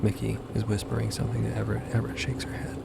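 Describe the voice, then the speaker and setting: A man tells a fiction podcast story with descriptive deliberation. His voice is low with plenty of vocal fry, and clear ambient noise rumbles behind him. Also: completely flat delivery, very fast. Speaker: podcast narrator. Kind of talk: improvised story narration.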